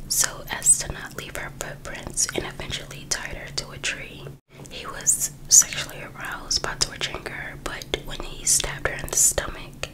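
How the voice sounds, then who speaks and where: A woman reads aloud in an unvoiced, breathy ASMR whisper, in an informal, casual way. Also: low-quality recording. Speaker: ASMR host reading a true crime book.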